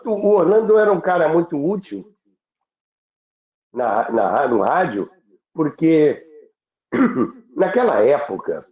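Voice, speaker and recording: A Brazilian man explaining things informally as an interview guest, halting and repeating words, with rhetorical questions. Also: medium pitch. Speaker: interview guest on radio history. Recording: phone-like thin sound, echoey room.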